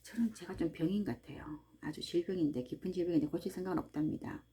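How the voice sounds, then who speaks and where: A woman, hosting a book-reading channel and talking in a chatty, animated way about faith and daily life, speaking straight to her listeners from a small farm hut. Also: on the low side, quick pace. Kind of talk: casual devotional talk to listeners.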